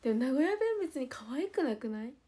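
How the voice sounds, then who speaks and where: A young woman with a Nagoya accent, chatting casually with viewers on a livestream and letting her phrases trail off softly. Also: high voice, expressive, fairly quick, slight background noise. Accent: Nagoya dialect. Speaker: idol livestreamer.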